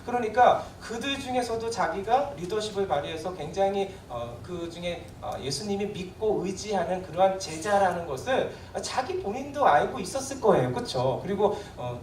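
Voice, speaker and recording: A pastor gives a sermon with a lively, rising-and-falling delivery, talking to the congregation as if in conversation and checking in with frequent questions. The voice sits back from the microphone and rings through a reverberant church hall. A faint hiss of room noise stays under it. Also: medium pitch, moderate pace, few pauses. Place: church sanctuary. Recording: echoey church hall, voice from a distance.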